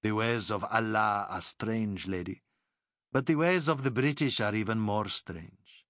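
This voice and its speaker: A man's voice: fairly low pitch, a little slow, a bit bright, no echo, studio quality. A man voicing a shrewd, proud Arab boat captain who speaks formal, broken English with courtesy.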